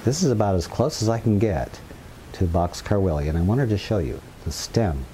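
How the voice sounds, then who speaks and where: A man's voice: sits low, warm tone, slight background noise. Cheerful man on a garden patio. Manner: upbeat, reassuring, chatty. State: recovered, slight leftover throat. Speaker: gardening channel host. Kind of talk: casual gardening tutorial. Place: outdoor patio garden full of potted plants.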